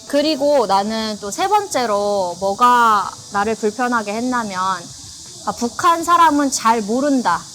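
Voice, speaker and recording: With noticeable background noise behind her, a woman speaks at a very slow pace in a fairly high pitch with lively intonation. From North Korea, Wonsan. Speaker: YouTuber, North Korean defector. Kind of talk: casual chat.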